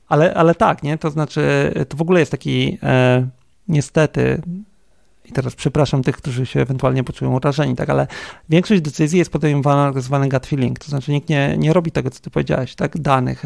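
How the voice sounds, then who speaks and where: Mężczyzna, dyrektor techniczny firmy, jako gość rozmowy mówi swobodnie, z wieloma wtrąceniami i pytaniami „tak?”, szczerze i z przekąsem. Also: male voice, on the high side, gravelly, darkish tone, no echo, studio quality. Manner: thinks aloud with many fillers and tag questions. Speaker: guest, company CTO. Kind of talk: casual interview conversation.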